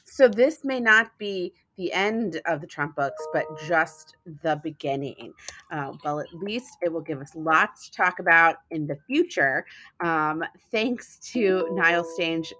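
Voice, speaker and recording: Bright-voiced woman hosting a panel. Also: fairly low pitch, lively intonation, slow pace, a little hiss or hum. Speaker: roundtable host. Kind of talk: conversational panel moderation.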